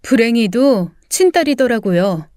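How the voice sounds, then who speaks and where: A woman playing a resolute adult daughter who tells her own story in measured, restrained scripted narration. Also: fairly high pitch, expressive, a little mellow, no echo, clean studio sound. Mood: cold, defiant.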